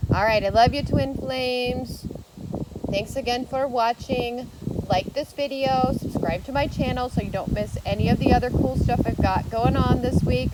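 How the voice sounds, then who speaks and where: The woman speaks at a moderate pace. Background noise is noticeable. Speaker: tarot reader. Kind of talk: tarot reading to camera.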